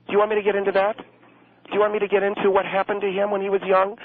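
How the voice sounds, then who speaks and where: A man's voice: high-pitched, monotone, fast, narrow, tinny audio, voice pushed up. A man voicing a smug, catty suburban housewife in her late thirties on a radio comedy show, with haughty put-downs.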